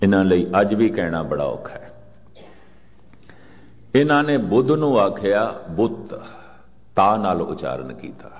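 Older male Sikh preacher, low measured voice, long hall reverb. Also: big pitch swings. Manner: slow, measured delivery with chanted scripture quotes. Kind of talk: religious discourse. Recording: muffled archival recording with long reverb.

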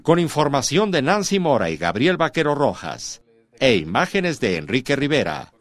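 News voiceover guy, lively intonation, dry close recording. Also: medium pitch, moderate pace, no room sound. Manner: lively, clear newsreader delivery. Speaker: news narrator. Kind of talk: scripted news narration.

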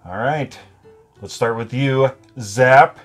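A man's voice: medium pitch, slow pace, faint music behind. Man hosting a channel segment. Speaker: show host. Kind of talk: introducing a collab segment. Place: home room with shelves of games.

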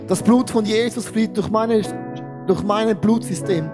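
A man preaches from a large church stage, speaking into a handheld mic. His voice sits fairly high for a man. He acts out the story, turning loud and then suddenly hushed. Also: measured pace, music in the background. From Switzerland. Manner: animated storytelling, swings between loud and hushed. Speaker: pastor. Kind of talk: sermon with acted-out story.

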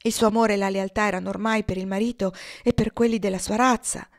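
A woman narrating a literary novel with measured, expressive delivery. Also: medium pitch, dry recording, studio quality. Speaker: audiobook narrator.

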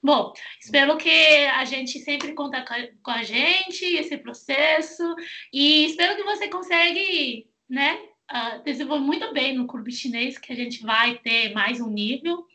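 Bright, high-voiced young woman host. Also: lively intonation, measured pace, a little hiss or hum. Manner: chatty, laughs often, many fillers. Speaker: Chinese teacher and host. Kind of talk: casual video-call interview. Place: small room at home, indoors. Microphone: headset on a video call.

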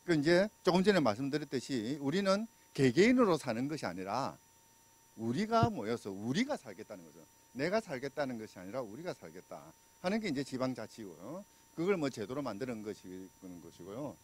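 This middle-aged Busan native lectures on public law in a small indoor room, handheld mic in hand, speaking briskly in a mid-range, slightly rough voice with big pitch swings. He strolls and gestures, chats conversationally with plenty of fillers, and keeps asking the audience questions.

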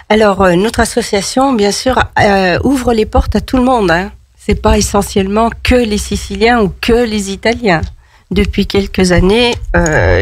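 A woman's voice: medium pitch, dry recording. A woman who is president of an association, speaking as a guest in a radio studio, hesitant with fillers. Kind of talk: radio interview.

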